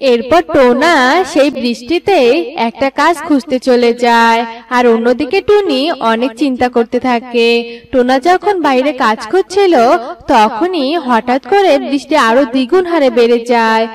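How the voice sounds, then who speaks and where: A woman's voice: high-pitched, animated, moderate pace, far from the mic. A woman narrating a scripted children's story as the narrator.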